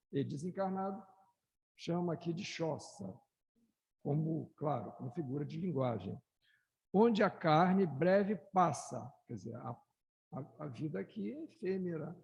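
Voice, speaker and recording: A man with a Brazilian Portuguese accent giving a slow, explanatory lecture, raising his voice to recite verses. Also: creaky, a little mellow, breathy edge. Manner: slow, explanatory, rises in pitch and volume when reciting verses. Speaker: lecturer at a spiritist study talk. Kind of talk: lecture with poetry readings. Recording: echoey hall with long reverb.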